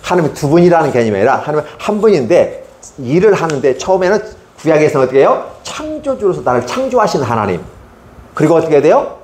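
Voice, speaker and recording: A man giving a sermon to children as a Sunday school preacher, animated and quizzing his listeners with frequent questions. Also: a little high, quick pace, reverberant. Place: church hall.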